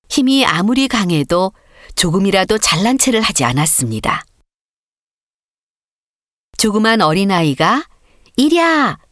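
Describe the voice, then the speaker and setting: A woman reads a scripted story for an audiobook. Her pitch moves expressively up and down through the sentences. The sound is dry, with hardly any room around her. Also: no echo. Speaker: audiobook narrator. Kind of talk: scripted storybook narration for learner readers.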